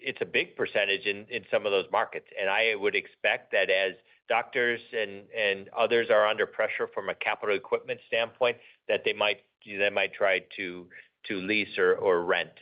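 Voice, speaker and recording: A man speaking as a company executive, answering questions off the cuff in a measured way, often rephrasing himself. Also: lowish voice. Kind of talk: unscripted earnings call answers. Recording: dull, band-limited conference call audio.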